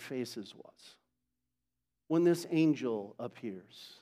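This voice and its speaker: Very wide pitch swings in a man's voice pitched fairly high. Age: 60s. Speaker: pastor. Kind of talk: sermon. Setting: church. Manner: animated.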